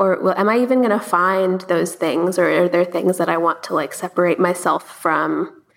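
A woman's fairly low voice at very even loudness, with noticeable background noise. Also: fairly even intonation, moderate pace. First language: Telugu. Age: 20s. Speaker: medical resident. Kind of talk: casual conversational advice session.

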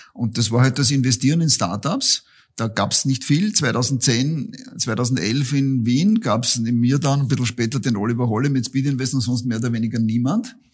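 A man with an Austrian accent talks at a moderate pace in a somewhat breathy, medium-pitched voice, his loudness very even and his pitch varying in an ordinary way. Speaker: business angel investor. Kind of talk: interview.

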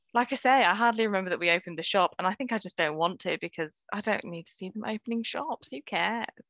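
A woman speaks at a medium pitch with a British accent and ordinary pitch variation, at a fairly quick pace. The background is quiet and the sound is dry and close with no echo. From Britain. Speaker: podcast co-host. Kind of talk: casual chat.

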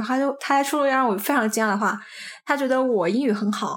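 Pitch variation here is ordinary. The delivery is very fast. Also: woman. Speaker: UX content writer. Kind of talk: interview conversation.

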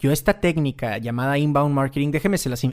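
A man talks with ordinary pitch variation in a very clean recording over a silent background. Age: 30s. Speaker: sales coach and podcaster. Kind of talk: interview. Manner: halting.

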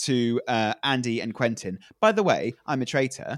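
On a very clean recording with a silent background, a man's pitch swings very wide. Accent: British. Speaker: podcast co-host. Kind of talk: casual chat.

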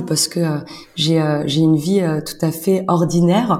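At a very slow pace, a woman talks in a fairly low pitch with ordinary pitch variation. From Alsace, France. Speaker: entrepreneur running a game venue. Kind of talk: interview conversation. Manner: halting, many repetitions and fillers.

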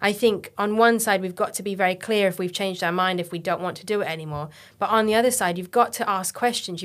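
With an English accent, a woman of medium pitch talks at a very fast pace with ordinary pitch variation and hardly any pauses, on a very clean recording with a silent background. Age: 30s. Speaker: writer and filmmaker on consent education. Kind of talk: podcast interview.

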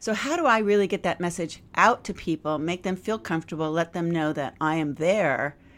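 A woman talks in a plain, everyday voice at a fairly low pitch, with ordinary pitch variation and a moderate pace. The recording is very clean, with a silent background. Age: 60s. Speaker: marketing consultant and podcast host. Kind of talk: interview conversation.

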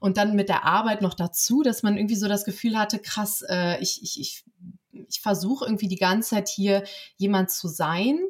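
A woman talks at a moderate pace and medium pitch. Her voice is somewhat breathy, with ordinary pitch variation. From western Germany, Aachen. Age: 30s. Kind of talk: casual chat.

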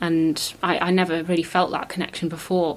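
A woman is speaking. She has a Welsh accent. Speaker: musician and singer-songwriter presenting a museum visit. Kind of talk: casual walking tour chat. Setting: on location in a museum.

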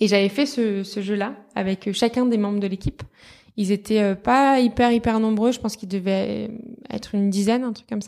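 A woman at medium pitch, fairly quick, with a dark, mellow tone and fairly even intonation. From southern France. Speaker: product designer. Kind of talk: interview conversation. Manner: halting, many fillers and repetitions.

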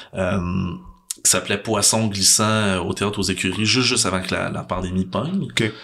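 At a moderate pace, a man with a fairly low pitch speaks over noticeable background noise. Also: ordinary pitch variation. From Quebec City area, Quebec. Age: 30s. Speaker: actor and comedian. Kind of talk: casual chat.

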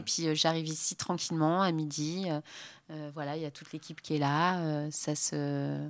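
The recording is very clean, with a silent background. A woman speaks in a very deep, low pitch with fairly even intonation. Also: big swings in loudness. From Normandy, France. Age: 40s. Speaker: comedy venue manager and producer. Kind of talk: casual chat. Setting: studio on a barge.

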